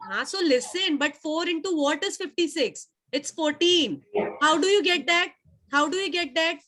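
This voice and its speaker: High, bright-voiced South Asian woman teaching maths. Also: moderate pace, slight background noise. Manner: repeats questions insistently to pupils. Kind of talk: interactive online lesson, questioning pupils.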